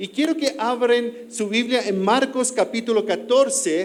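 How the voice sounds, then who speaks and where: A man talks at a fairly slow pace with a non-native accent. Audible room echo surrounds his voice. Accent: foreign accent in Spanish. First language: English (speaking Spanish). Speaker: visiting preacher. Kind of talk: sermon. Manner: halting.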